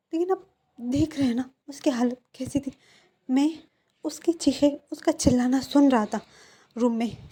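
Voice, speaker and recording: A woman's voice: high-pitched, dark tone, husky. A woman voicing a desperate young man who begs his parents, stammering and repeating himself as she reads a fan fiction story.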